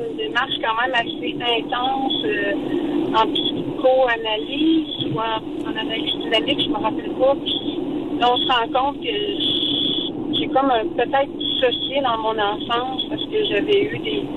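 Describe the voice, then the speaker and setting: Over noticeable background noise and audible room echo, a woman with a Quebec accent talks at a fairly slow pace with a high pitch and ordinary pitch variation. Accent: Québécois French. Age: 40s. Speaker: caller. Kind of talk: phone-in confession. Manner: halting.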